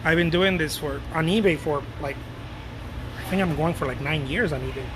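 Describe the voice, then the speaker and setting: A man in his late thirties talking casually to his viewers as a painter, loose and animated, repeating words and swearing now and then. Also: on the high side, normal speed, noisy background. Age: 30s. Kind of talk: casual rambling talk to camera.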